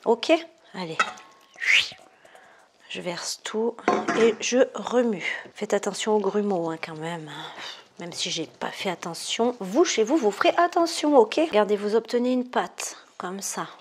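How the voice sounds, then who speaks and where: A woman's voice: mid-range voice, lively intonation, a little slow, a little mellow, a little hiss or hum. A woman hosting a casual cooking video, chatty and self-amused, often dropping her voice to a murmur.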